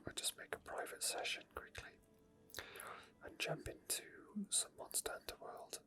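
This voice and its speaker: A person whispering quiet, unscripted ASMR gameplay commentary in a breathy voice, unhurried and rambling, close to the microphone. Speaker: video game streamer making ASMR. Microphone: microphone tucked under a hoodie, close to the mouth.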